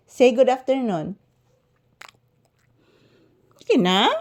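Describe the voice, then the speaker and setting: Woman, slightly high voice, casual pet vlog, doting baby talk, sweaty from the heat, indoors at home. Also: sing-song, extremely slow. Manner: mixes Filipino, Cebuano and English. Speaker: vlogger. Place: inside a hot house.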